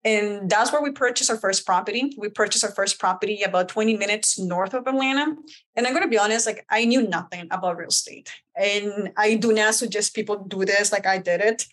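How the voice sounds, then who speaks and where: A woman's voice: mid-range voice, brisk, fairly bright tone. A woman from Colombia whose first language is Spanish, telling her story as a podcast guest in a candid, chatty way. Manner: candid, chatty, uses many fillers. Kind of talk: casual interview storytelling.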